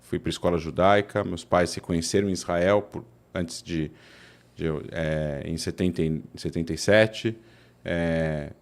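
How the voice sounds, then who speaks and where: A man's voice: low-pitched, fairly even intonation, a little slow. A Brazilian man from São Paulo, a guest political scientist, telling his story in long explanations full of restarts and self-corrections. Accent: Brazilian Portuguese, São Paulo. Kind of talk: interview conversation.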